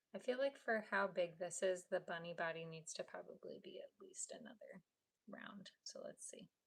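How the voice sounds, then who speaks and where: Mumbling at a moderate pace, a woman speaks with an American accent. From Iowa, US Midwest. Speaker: crochet YouTuber. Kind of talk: live-stream crafting tutorial. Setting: YouTube livestream at home. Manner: casual, counting stitches aloud.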